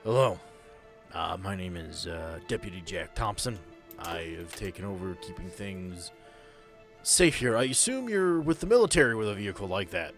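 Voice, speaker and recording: A man's voice: low voice, expressive, moderate pace, faint music behind. Man playing a blunt small-town deputy. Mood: guarded. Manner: blunt, exasperated, swearing. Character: large, gruff small-town male deputy in charge.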